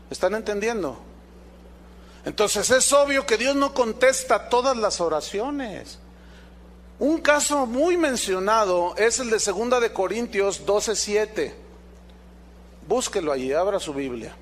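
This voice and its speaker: A pastor delivers an emphatic sermon in a high-pitched voice, throwing rhetorical questions at his congregation. A faint hum runs beneath his voice.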